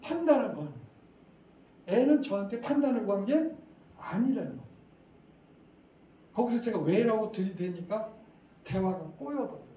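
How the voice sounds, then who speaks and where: A man's voice: sits high, animated, normal speed, long pauses, dark tone, slight background noise. A middle-aged man giving an interactive lecture to parents, quizzing the audience and chuckling as he talks. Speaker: lecturer at parent education session. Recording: echoey hall, distant mic, faint ambience.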